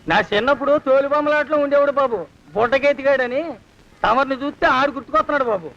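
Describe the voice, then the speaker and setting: A cheeky, teasing servant. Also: male voice, very high voice, fast, a bit bright. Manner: cheeky, mock-respectful teasing. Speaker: film actor. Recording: dull lo-fi film soundtrack.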